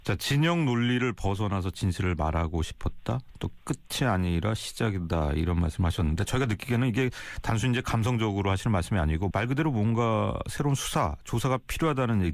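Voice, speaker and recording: A man's voice: on the low side, expressive, fast talker, hardly any pauses, no echo. A man hosting a formal radio interview, asking questions in an orderly, polite broadcast manner.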